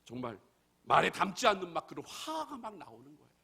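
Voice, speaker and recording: Pastor guy preaching hard, high voice that jumps all over, keeps asking the crowd questions. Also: huge pitch swings, brisk, gravelly, bright, forceful tone, breathy edge. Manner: emphatic preaching with rhetorical questions to the congregation. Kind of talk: sermon.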